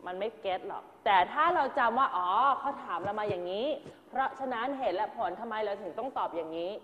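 A woman's voice: mid-range voice, animated, fast, fairly bright tone, slight background noise. A woman teaching a drama class, giving students direct, corrective notes on their performance. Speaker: acting teacher. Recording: dull, echoey hall sound.

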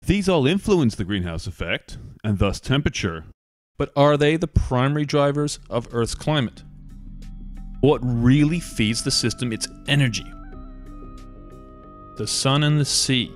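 Man narrating a documentary, measured and argumentative, mid-pitched, faint music behind. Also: lively intonation. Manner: measured, argumentative delivery with rhetorical questions. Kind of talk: scripted narration.

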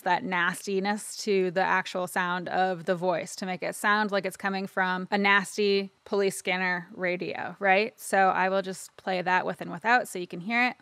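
A woman narrating a casual, informal software tutorial, explaining step by step and checking in as she goes. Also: medium pitch, no echo. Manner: informal, explanatory, frequent "right?" tags. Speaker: audio editing instructor.

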